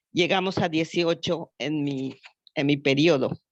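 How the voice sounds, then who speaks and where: A woman is talking. Her pace is very slow. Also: dry, close sound with no echo. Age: 60s. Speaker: Rotary club member. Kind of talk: open discussion contribution.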